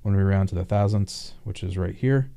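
A man tutoring informally through a worked math problem, thinking aloud in a halting way. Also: low voice, gravelly, warm tone.

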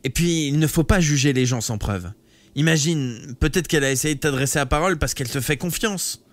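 A steady, level-headed teenage boy, read by a man, talks another down in an earnest, reasoning tone. His voice stays close to the reader's own, in a storybook reading. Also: fairly high pitch, brisk, no room sound, natural voice. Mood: calm persuasive.

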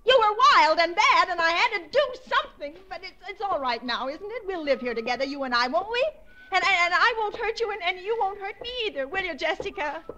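An actress playing a frightened, guilt-ridden sister pleading in 1940s radio suspense style, with a breathless, quavering delivery. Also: female voice, very high voice, expressive, fairly quick, sharp tone, full character voice. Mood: anxious coaxing. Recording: noisy vintage radio recording.

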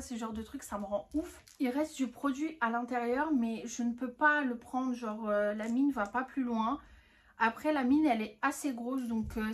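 A young woman reviewing used-up beauty products in a casual, frank chat. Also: a little high. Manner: chatty, frank, lots of "honnêtement" and "franchement". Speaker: beauty vlogger.

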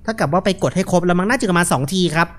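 A young man gives casual, joking horror game commentary, relaxed and unafraid, speaking into a headset mic. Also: high voice, racing. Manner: laid-back, joking, unafraid. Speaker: gaming video host.

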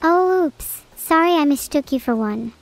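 A synthetic female AI voice, chatting casually as a stream co-host with dry, deadpan quips. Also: high voice, a little slow, faint music behind. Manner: deadpan, matter-of-fact quips. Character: female AI vtuber, dry and teasing.

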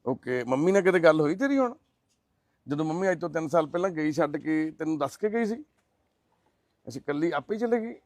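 A middle-aged man, a charity volunteer, making a heartfelt appeal and gently consoling and questioning the people he visits. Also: fairly high pitch, animated, brisk, pauses often, dry recording. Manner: earnest, gently consoling, explanatory. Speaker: charity volunteer presenting a case. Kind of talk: heartfelt appeal and on-site interview.

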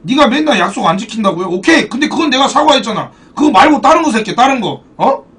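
A man's voice: very high voice, fast, far from the mic. A man streaming a football card game, chatting casually with viewers, thanking donors and swearing in banter. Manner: animated, swearing, bantering with chat. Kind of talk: casual live-stream chat.

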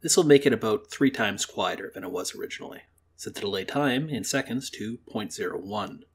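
A man's voice: lowish voice, brisk, gravelly, slightly rough. A young man hosting a library tutorial, explaining audio editing step by step in a friendly way, recorded at home. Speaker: library program host. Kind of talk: software tutorial. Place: home kitchen-living room, indoors.

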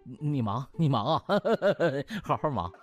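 A man's voice: mid-range voice, animated, takes it slowly, soft background music. A man voicing a mock-humble young doctor, smirking and falsely polite, in an audiobook. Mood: gleeful, mocking. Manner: mocking, chuckling, falsely polite.

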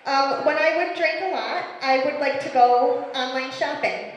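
A woman in her thirties delivers a stand-up set into a handheld mic, telling her stories in a dry, self-mocking way. Her voice sits high. The club room rings with heavy echo and a long reverb tail. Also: a little slow, a little hiss or hum. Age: 30s. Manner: deadpan, self-mocking storytelling. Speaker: stand-up comedian. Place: comedy club stage.

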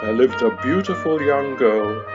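A man's voice: mid-range voice, unhurried, loud music behind the voice. Wry male storyteller, slightly dull recording. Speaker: narrator. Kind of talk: scripted storybook pantomime narration. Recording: slightly dull home video-call recording.

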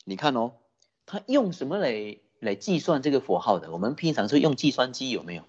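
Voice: mid-range voice, very animated, a little fast, breathy edge. A Buddhist teacher giving a sermon, telling a story with many rhetorical questions. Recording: dull lo-fi recording.

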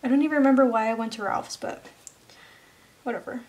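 A young woman, a planner vlogger, chatting casually as she narrates her week, now and then dropping into soft whispers. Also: a little high, fairly quick. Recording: background noise.

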